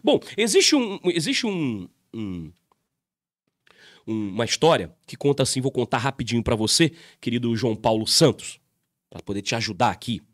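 A man giving a casual commentary monologue to his viewers, telling a story in an animated way and talking to them directly. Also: medium pitch, moderate pace, dry recording, studio quality. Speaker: YouTube commentator.

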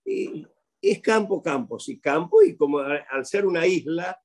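A man's voice: a little high, animated, unhurried, a little mellow. An older man from Corrientes with an Argentine Spanish accent, a pastor talking cheerfully over a video call from home, chuckling and restarting his sentences. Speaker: pastor, guest. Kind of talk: video-call interview, storytelling. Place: home room with plants.

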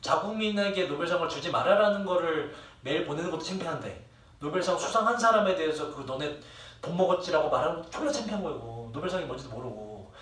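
With a slightly high, somewhat bright voice, a young male teacher gives a classroom lecture full of rambling, jokes with his students and free swearing. The recording comes from a distant mic in an echoey room, with faint ambience.

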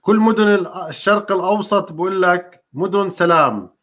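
Jovial high-voiced man. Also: brisk, a bit bright, a little hiss or hum. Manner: jovial, laughs often, teasing. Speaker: co-host of a live quiz show. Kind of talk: casual live chat.

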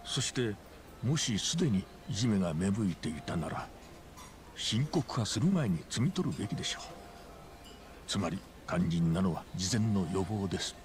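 A man's voice: sits low, very animated. An actor playing a very old, courteous and grave school chairman in a video game drama, speaking formally and with measure. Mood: earnest, formal. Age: older. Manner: formal, polite, measured old man's delivery. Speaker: school board chairman, client. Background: background music.

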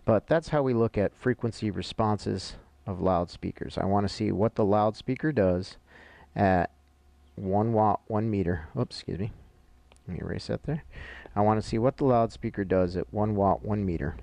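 A man's voice: fairly low pitch, moderate pace, gravelly, dark tone, no echo. A middle-aged man, an instructor explaining technical material informally and step by step, as if thinking aloud. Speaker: audio-visual instructor. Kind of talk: informal instructional explanation while annotating charts.

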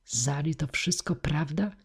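Haughty captive knight, read by a woman, husky tone. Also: low-pitched, expressive, measured pace, a little mellow, exaggerated voice. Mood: stunned. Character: proud, scornful captive foreign knight, man.

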